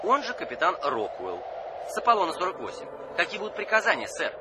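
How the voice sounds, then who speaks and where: A man's voice: on the high side, huge pitch swings, fast talker, very noisy. An actor playing a cocky, taunting young man in a radio drama, with a theatrical, mocking delivery. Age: young adult. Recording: loud music under the voice.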